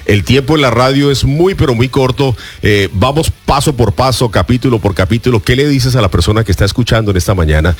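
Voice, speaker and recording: A man's voice: medium pitch, a little fast. A man hosting a Christian radio show, interviewing a pastor and affirming his answers with phrases of faith. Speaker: radio host.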